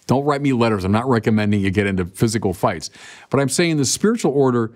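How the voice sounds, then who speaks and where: An older man in his sixties preaching a sermon in a conversational, animated way, often appealing to listeners directly, recorded with a lapel mic in a dim studio. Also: medium pitch. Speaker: bishop.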